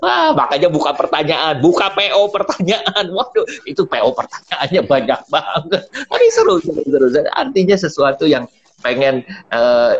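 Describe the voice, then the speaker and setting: A man's voice: fairly high pitch, normal speed, muffled recording. A middle-aged man giving a casual motivational business talk, acting out quotes and laughing often. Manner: animated storyteller, acts out quotes, laughs often. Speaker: business speaker on a live stream. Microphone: phone mic.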